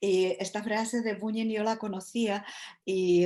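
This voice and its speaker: Against a quiet background, the voice has a dark, mellow tone and a Czech accent. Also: woman. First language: Czech (speaking Spanish). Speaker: writer and translator. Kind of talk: interview. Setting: video call. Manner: halting, many fillers.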